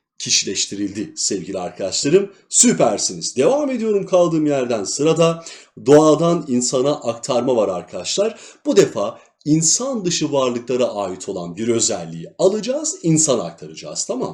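Moderately paced male speech marked by big swings in loudness. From Turkey, Zonguldak. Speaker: Turkish language teacher. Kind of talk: online exam-prep lesson. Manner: animated.

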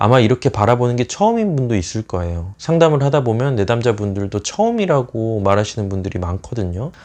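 Against a quiet background, a man talks in a normal speaking voice of medium pitch, fairly quick and lively, with hardly any pauses. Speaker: psychotherapist. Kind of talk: solo video talk to camera. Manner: gentle, warm.

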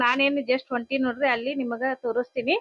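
A woman speaks in a high pitch. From North Karnataka, India. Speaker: travel vlogger. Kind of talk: vlog narration. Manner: casual, conversational.

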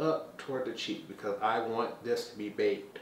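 There is light background noise and audible room echo around this man's voice. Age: 30s. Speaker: makeup YouTuber. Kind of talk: makeup tutorial. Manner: animated. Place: home room.

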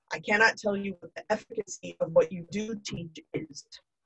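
Here a woman speaks with an American accent. Her voice is somewhat breathy, with ordinary pitch variation. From US South, Texas. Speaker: diversity educator and speaker. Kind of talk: interview.

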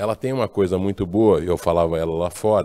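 In a quiet setting, a man's dark, mellow tone shows ordinary pitch variation. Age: 60s. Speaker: business executive. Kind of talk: keynote speech. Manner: halting. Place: hall. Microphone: podium.

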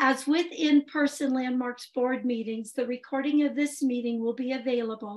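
Over a quiet background, a woman talks at a high pitch with fairly even intonation. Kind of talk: meeting chairing. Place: home room. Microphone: video call.

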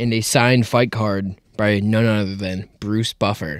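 A man speaking at a fairly slow pace, with a dry sound and no echo. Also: quiet background. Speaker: podcast host. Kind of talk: podcast chat, channel announcements. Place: studio. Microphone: studio mic.

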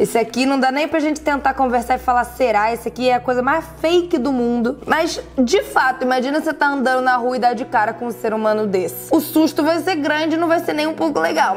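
Someone talks at a fairly quick pace while faint music plays in the background. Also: woman. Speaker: youtuber. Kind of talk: reaction video commentary. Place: home room. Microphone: lapel.

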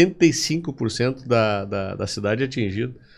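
With ordinary pitch variation, a man speaks in a medium pitch. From Rio Grande do Sul, Brazil. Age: 50s. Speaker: podcast host; podcast host or guest. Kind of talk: casual chat. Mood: earnest, concerned. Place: studio. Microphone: studio mic.

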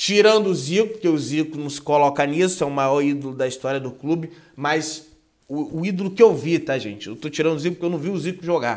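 Fairly high-pitched and animated, a man talks at a fairly quick pace. His pitch variation is ordinary, and the background is quiet. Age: 20s. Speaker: football YouTuber. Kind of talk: casual sports commentary monologue. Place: home room.

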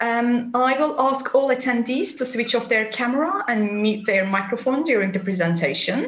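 The woman has a high pitch and very even loudness, with hardly any pauses. Audible room echo is present. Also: moderate pace. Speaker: academic supervisor and seminar chair. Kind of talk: seminar moderation. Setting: video call. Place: home room. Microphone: webcam.

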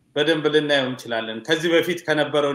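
There's audible room echo as a man speaks in a fairly high voice. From Ethiopia. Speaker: show host. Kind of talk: political discussion. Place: home room. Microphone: webcam.

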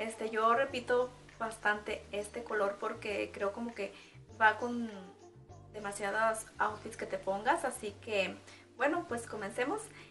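A woman speaks at a fairly slow pace. Faint music can be heard behind her. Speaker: beauty vlogger. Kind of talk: makeup tutorial. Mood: friendly and relaxed. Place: home room. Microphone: phone near.

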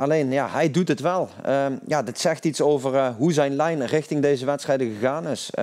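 The background stays quiet. Against it, a man speaks at a moderate tempo. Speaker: former pro cyclist, pundit; pundit. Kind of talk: live commentary. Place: studio.

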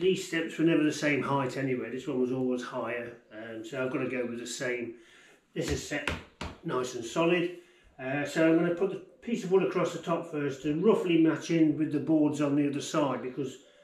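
Audible room echo colors the recording. A man speaks at a fairly quick pace with ordinary pitch variation. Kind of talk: casual vlog chat. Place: home room. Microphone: camera far.

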